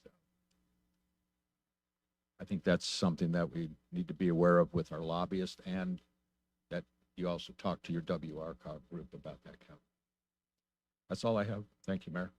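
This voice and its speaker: An American man speaking as a council member, giving a meeting report in a halting way with frequent pauses. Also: deep voice, fairly even intonation, a little mellow, slight background noise. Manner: halting, pausing delivery.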